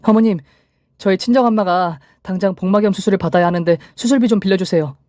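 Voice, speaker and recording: A man's voice: sits high, fast talker, darkish tone, no room sound, clean studio sound, voice pushed up, natural voice. A man voicing a desperate young wife who pleads in a raised, strained voice. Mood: pleading.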